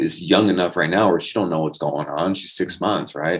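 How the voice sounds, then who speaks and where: This man's voice sits at a very deep, low pitch. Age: 30s. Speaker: financial services entrepreneur. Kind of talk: podcast interview. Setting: remote call.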